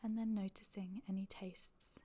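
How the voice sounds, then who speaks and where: A woman leading a guided meditation in a soft, breathy, near-whispered voice, calm and gentle, with long pauses. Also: mid-range voice. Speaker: yoga nidra meditation guide.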